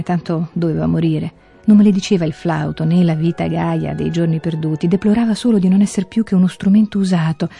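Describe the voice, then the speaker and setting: A woman reading a Christmas tale aloud in slow, measured radio narration. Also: sits low, gravelly, mellow, husky. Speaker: radio story reader. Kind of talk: scripted narration.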